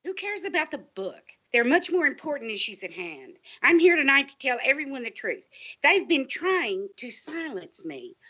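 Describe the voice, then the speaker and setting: A woman's voice: high-pitched, sing-song, normal speed, bright, forceful tone, highs cut off, full character voice. A woman playing a conspiratorial whistleblowing librarian, urgent and portentous, in a scripted audio drama. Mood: urgent, defiant.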